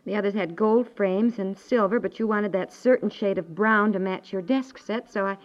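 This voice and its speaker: An actress playing an apologetic, defensive but loving wife in a 1950s radio domestic comedy, explaining herself earnestly at length with an American accent. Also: female voice, mid-range voice, normal speed, lightly acted. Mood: hurt, earnest. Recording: dull band-limited 1950s radio recording.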